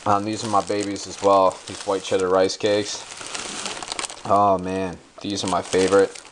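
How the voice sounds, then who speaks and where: Young man, very deep voice, laid-back slangy talk, handheld camera in a kitchen, crinkling bags up close. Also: flat delivery, measured pace, noisy background. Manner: laid-back, slangy and profane, many ums and uhs. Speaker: bodybuilder vlogger. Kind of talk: casual grocery haul show-and-tell. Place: home kitchen, indoors. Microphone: handheld camera held close.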